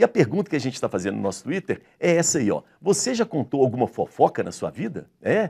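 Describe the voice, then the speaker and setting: Over a quiet background, a man talks at a very fast pace with hardly any pauses, his dark, mellow voice carrying vocal fry. His pitch swings very widely. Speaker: TV talk show host. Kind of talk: interview show host. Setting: studio with some guests on video link. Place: studio. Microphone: lapel.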